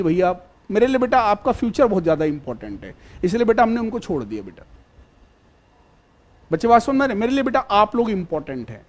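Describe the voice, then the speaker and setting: A man teaching a live online exam-prep class, fatherly and repetitive, always checking whether his students follow. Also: high-pitched. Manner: fatherly, keeps calling students "beta" and checking if they follow.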